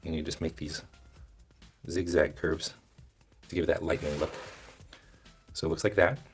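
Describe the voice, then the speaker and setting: A man who is a little hoarse, giving casual step-by-step drawing instruction and thinking aloud as he demonstrates. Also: rumbling low, fairly even intonation, unhurried, faint music behind. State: hoarse, losing his voice. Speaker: drawing tutorial host.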